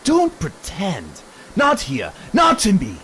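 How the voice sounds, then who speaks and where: Killer clown villain: very high, slow, mocking and menacing, radio drama, noisy background. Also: male voice, huge pitch swings, heavily acted. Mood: mocking menace. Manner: taunting, sing-song, swinging from hush to shriek. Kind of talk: superhero radio drama acting.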